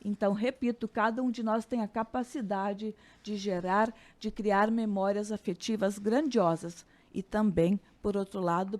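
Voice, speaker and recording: A woman with a Brazilian accent giving a calm, reflective scripted radio commentary, slowing down on key phrases. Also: mid-range voice. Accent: Brazilian Portuguese.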